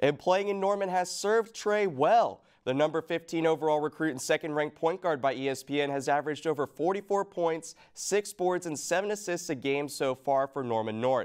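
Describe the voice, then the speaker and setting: A man's fairly high-pitched, ordinary speaking voice at a moderate pace, with hardly any pauses, over a quiet background. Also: ordinary pitch variation. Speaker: sports reporter. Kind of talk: sports report. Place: studio. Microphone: lapel.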